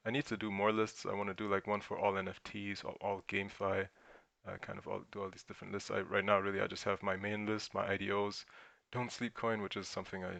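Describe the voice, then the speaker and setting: Stream host, German-born man, German first language, low and gravelly, thinks aloud while answering the chat. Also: a bit bright, no echo. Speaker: crypto livestream host. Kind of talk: casual livestream Q&A.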